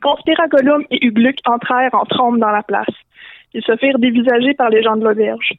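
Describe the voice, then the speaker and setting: Québécois woman, comic storyteller, high voice, phone-line sound. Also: steady tone, brisk, no room sound. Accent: Québécois French. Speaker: narrator.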